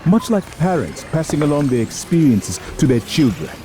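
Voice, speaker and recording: An actor playing a smooth male scientist executive in a video game, speaking in a persuasive, measured way. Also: on the high side, big pitch swings, mellow, faint music behind.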